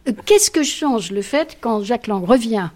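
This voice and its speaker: A woman's voice: a little high, expressive, normal speed, a little mellow. A woman hosting a radio panel discussion, circling her way into questions with many restarts. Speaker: host moderating a panel.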